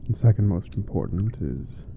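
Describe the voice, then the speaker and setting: A man playing a gentle, teasing, affectionate giant roommate in an intimate ASMR roleplay, soft-spoken and playfully formal. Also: on the low side, expressive, normal speed, highs cut off, background noise, natural voice. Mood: caring, soothing.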